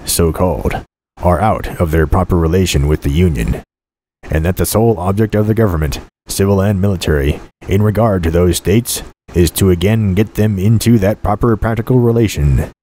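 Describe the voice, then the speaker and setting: A man reads a historical political speech aloud as formal oratory, with measured, deliberate phrasing. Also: low-pitched, dark tone, low-quality recording.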